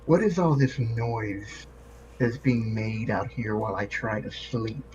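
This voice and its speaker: A man voicing a sleepy, irritated female dragon at a tabletop game, speaking slowly with a drawn-out delivery. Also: on the low side, recorded from a distance, lo-fi sound, background noise, lightly acted. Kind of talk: in-character tabletop role-play.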